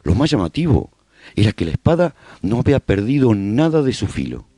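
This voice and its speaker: A man's voice: mid-range voice, big pitch swings, fairly quick, dark tone, no echo, voice pushed up. A man playing a survivor who hosts a radio broadcast, narrating a post-apocalyptic chronicle as a scripted radio serial. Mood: solemn, proud.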